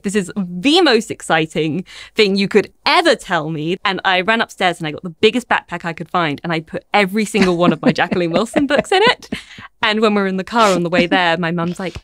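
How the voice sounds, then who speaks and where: A woman in her twenties telling stories excitably as an interviewee. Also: lowish voice, dry recording. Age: 20s. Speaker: interviewee, longtime reader.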